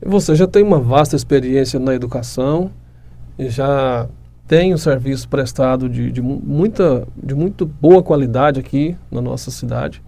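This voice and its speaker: Here the Goiás-accented Brazilian host sounds mid-range, gravelly and warm, moving at normal speed. He keeps things upbeat and flattering while questioning his guest and speaking to the audience.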